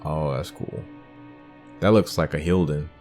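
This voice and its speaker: Male gaming host, extremely deep voice, casual and musing, faint music behind. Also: steady tone, a little slow, a little mellow. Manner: rambling, musing. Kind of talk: casual playthrough commentary. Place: game commentary with game music behind.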